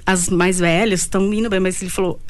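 A Brazilian woman, a singer-songwriter, chatting casually as an interview guest and telling stories with quick laughs between phrases. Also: fairly low pitch, fairly even intonation.

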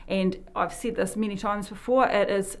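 A New Zealand woman hosting a relaxed radio chat, talking at an easy, middling pitch. She rambles and sidetracks herself, circling back to her points as she goes. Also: normal speed. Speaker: health promotion worker and show host.

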